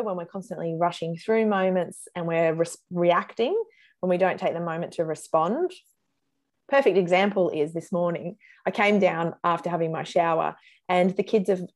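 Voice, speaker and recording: A mother, answering interview questions in an earnest, animated way with frequent "like"s. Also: fairly low pitch. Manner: earnest, animated storyteller, says "like" often. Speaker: guest, mother.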